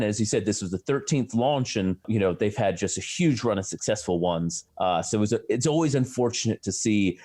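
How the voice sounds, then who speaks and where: A low-pitched American man talks through a science story. He is chatty and loose, with many restarts and fillers. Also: mellow. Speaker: astrophysicist co-host. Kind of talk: casual science chat.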